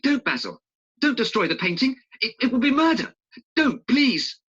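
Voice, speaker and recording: A vain, anguished young man, put on by a male audiobook reader. The voice rides well above the reader's own, straining and pleading with wide swings in pitch. The recording sounds dull and lo-fi. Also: expressive, moderate pace, sharp tone, slightly rough, exaggerated voice. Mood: desperate. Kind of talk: audiobook character reading.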